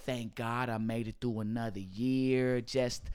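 A man in his late twenties hosts a casual podcast chat from the Houston area, speaking loosely with slang and lots of laughter. His mid-range voice is fairly even in intonation and a little slow. He's on a studio mic, with a crowd audible behind him.

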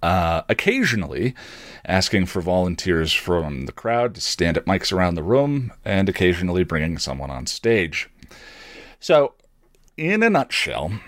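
A man telling a personal story as a podcast host, reflective and wry, halting now and then as he searches for words. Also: low voice, fairly bright tone, no room sound, clean studio sound.

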